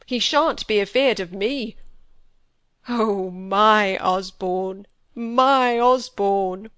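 A woman reading a grief-stricken old country squire in a rough rural dialect, her voice low and broken. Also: measured pace, no echo. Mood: grieving. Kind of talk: audiobook character voice.

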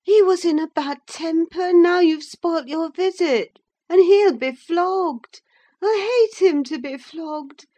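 A woman's voice: very high voice, slow pace, mellow, voice pushed up. A woman reading an audiobook, voicing a bossy teenage girl who scolds and commands. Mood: distressed. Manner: scolding, then contemptuous.

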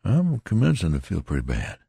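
A man's voice: sits low, wildly swooping pitch, brisk, creaky, dark tone, slightly rough, no echo, pitched above the performer's own voice, exaggerated voice. A man voicing a wounded rustic soldier who muses and rambles in a homespun drawl. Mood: wry. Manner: homespun drawling dialect, musing.

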